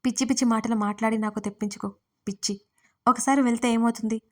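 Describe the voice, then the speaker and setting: A woman's voice: a little high, steady tone, fast, a little mellow, lightly acted. Woman reading as a stern young husband. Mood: angry. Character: stern, protective young husband, short-tempered.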